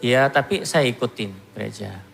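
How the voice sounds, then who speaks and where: A man in his thirties from Korea, giving a self-mocking, animated church testimony. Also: mid-range voice, normal speed, gravelly. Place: church hall. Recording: long hall reverb with music behind.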